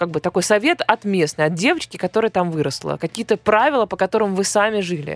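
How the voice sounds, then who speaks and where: A woman's medium-pitched voice with lively intonation, at a very fast pace with hardly any pauses. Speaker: podcast host. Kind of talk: casual interview. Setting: studio.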